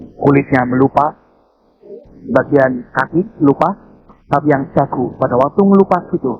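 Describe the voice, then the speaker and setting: A man's voice: mid-range voice, moderate pace, a crowd in the background. A man with an Indonesian accent preaching a sermon as a pastor, telling stories and acting out what people said. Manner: animated storytelling preacher, acts out quoted speech. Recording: dull lo-fi sermon audio.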